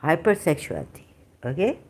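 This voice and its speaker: A woman giving an unscripted personal monologue to camera, halting often and searching aloud for the right words. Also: sits low, huge pitch swings, darkish tone, breathy edge. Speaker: vlogger.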